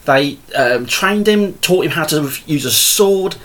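A man's voice: fairly high pitch, expressive, takes it slowly, a bit bright. A man in his thirties hosting a casual solo podcast, rambling along with plenty of fillers and restarts. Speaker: podcast host and game master.

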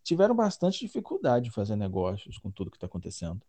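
A man's voice: on the low side, huge pitch swings, fast, mellow. A man hosting a podcast, asking friendly questions in a casual interview chat. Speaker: podcast host.

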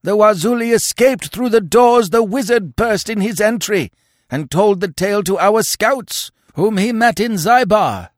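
A man's voice: high-pitched, unhurried, dry recording, clean studio sound, voice pushed up. A man voicing a gaunt old tribal chief in a storybook, howling furious accusations. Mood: furious, accusing. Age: older.

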